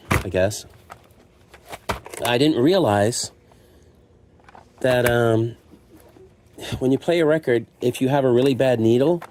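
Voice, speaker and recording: Some background noise and clicking sit behind this middle-aged man as he presents his secondhand shop's stock. In his mellow, relaxed, ordinary-pitched voice, he rambles conversationally to camera, teasing himself and voicing imagined remarks.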